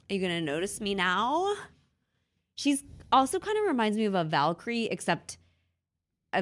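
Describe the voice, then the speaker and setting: Chatty woman retelling myths with fillers. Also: low-pitched. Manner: chatty, many fillers, giggly. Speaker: podcast co-host. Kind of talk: casual chat about mythology.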